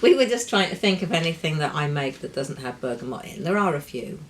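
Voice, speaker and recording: A middle-aged woman, a perfumer hosting a casual chat, explaining ingredients in a lively, chatty way with asides. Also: low-pitched, brisk, slight background noise. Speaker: perfumer and show host.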